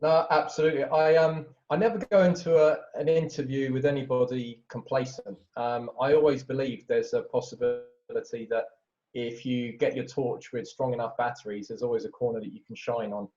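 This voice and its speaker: A man, a guest author telling animated stories in an interview. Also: mid-range voice, fairly quick. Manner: animated storyteller with lively anecdotes. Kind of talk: conversational interview. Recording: dull lo-fi sound.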